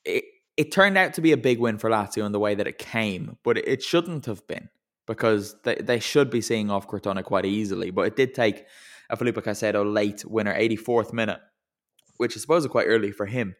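Podcast host, male, low-pitched, rambling, self-deprecating. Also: fairly quick. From English-speaking country. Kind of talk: casual football podcast chat. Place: lives in Italy.

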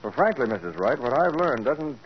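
A calm, level-headed private detective, played by an actor in a 1940s radio drama. He speaks in a measured, reassuring way, and his pitch moves freely. The old broadcast sounds muffled. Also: a little hiss or hum, lightly acted.

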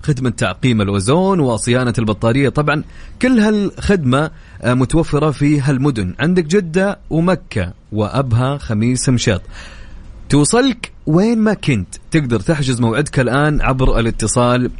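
Male Saudi radio co-presenter, fast sponsor reads, mid-range voice. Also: mid-range voice, lively intonation, darkish tone, no echo. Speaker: radio show co-host. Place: radio studio.

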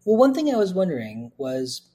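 A man hosts an interview show in a conversational style. His voice is distinctly husky and a little higher than average for a man. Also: huge pitch swings, moderate pace, mellow.

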